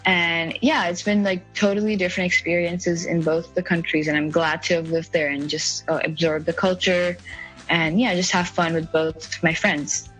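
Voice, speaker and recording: A young woman from India answers interview questions in a relaxed, chatty way. She leans heavily on filler words, and her voice sits a little low. Faint music plays underneath. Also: moderate pace, poor audio. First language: an Indian language other than Hindi. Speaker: guest.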